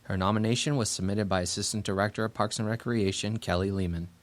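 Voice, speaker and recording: Low-voiced male news reporter. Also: fairly even intonation, fast talker, slight background noise. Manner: formal reporter delivery with sign-off.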